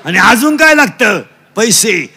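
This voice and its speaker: A man's voice: sits high, very animated, a little slow, bright, forceful tone, slightly rough. A man preaching a humorous kirtan, telling jokes and quizzing the crowd. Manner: jokey, storytelling, quizzing the audience with call and response.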